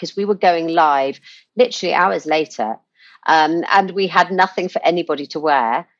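A woman speaks with an English accent. Her pitch is fairly low, with ordinary pitch variation. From England, raised partly in Asia. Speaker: TV showrunner and producer. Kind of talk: casual interview. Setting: remote call.

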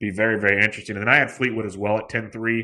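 At a fairly quick pace, a man talks in an unremarkable speaking voice of medium pitch. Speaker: podcast host. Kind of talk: casual sports betting chat with ad reads.

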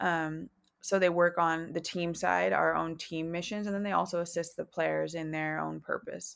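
A woman speaks with a West Coast accent in a very clean recording with a silent background. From US West Coast (San Francisco Bay Area). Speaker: football team communications staffer. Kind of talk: interview.

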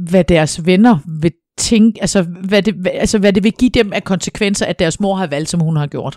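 Dark and mellow in tone, a woman's medium-pitched voice moves at a moderate pace with ordinary pitch variation, the sound dry and close with no echo. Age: 40s. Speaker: swingers club bar staff. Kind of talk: casual chat.

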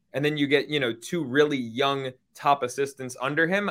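An unremarkable speaking voice from a man with a fairly high pitch, fairly even intonation and a fairly quick pace, in a very clean recording with a silent background. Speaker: sports podcast co-host. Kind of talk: casual sports talk with ad read. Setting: shared studio space.

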